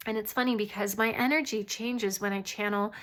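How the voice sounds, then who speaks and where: A woman host giving a casual channeled spiritual reading, often pausing mid-thought as if listening. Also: medium pitch, steady tone, fairly bright tone. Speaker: tarot reader and channeler, host.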